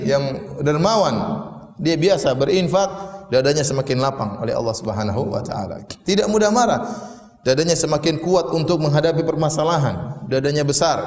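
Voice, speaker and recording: A man delivers a sermon in a fairly high voice, asking rhetorical questions and acting out little scenes for humor. His voice rings through a large hall, with a long reverb trailing each phrase. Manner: humorous storytelling with acted quotes and rhetorical questions. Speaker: Islamic preacher.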